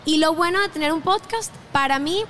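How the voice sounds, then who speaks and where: In a casual interview, a young woman with a Venezuelan accent appears as a podcast guest, talking a little fast in a high, fairly bright voice. She's chatty and self-correcting, often restarting sentences and laughing easily, while a faint hiss or hum runs underneath.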